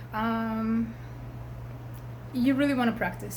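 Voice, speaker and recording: A woman speaks at a moderate pace with a non-native accent. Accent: noticeable foreign accent in English. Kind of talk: non-native English speaker.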